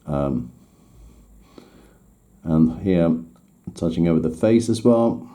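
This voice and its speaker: His voice sits low and mellow, slow-paced but with lively intonation, as he explains a miniature painting tutorial in English. Swedish is his first language, and he hesitates, restarting and correcting himself while working.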